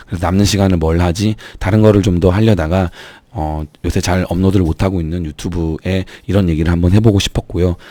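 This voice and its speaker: An online business YouTuber with a low, mellow voice, recorded with no echo, speaks through a strained, sore throat. In his motivational vlog he addresses viewers earnestly and emphatically, urging them on.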